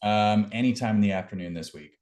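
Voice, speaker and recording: A man's voice: lowish voice, quick pace, darkish tone. A man giving a casual product demo, hesitant and full of fillers. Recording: echoey room.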